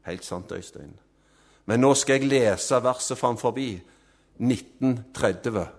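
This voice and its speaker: A man preaching a sermon, emphatic, rising to loud swells and dropping to soft, low endings.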